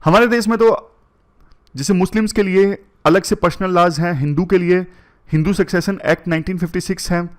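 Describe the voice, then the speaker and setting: High-voiced male current affairs teacher. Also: brisk. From India. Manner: explains point by point, mixing Hindi with English terms. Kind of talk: exam-prep lecture.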